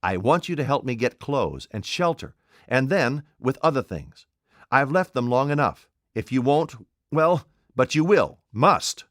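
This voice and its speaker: A man's voice: medium pitch, lively intonation, measured pace, dry recording, studio quality, pitched above the performer's own voice, close to an everyday voice. A man voicing an invisible man in an audiobook, speaking in a curt, imperious, cold way. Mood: intense. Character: commanding, desperate invisible man, adult male. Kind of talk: audiobook character voice.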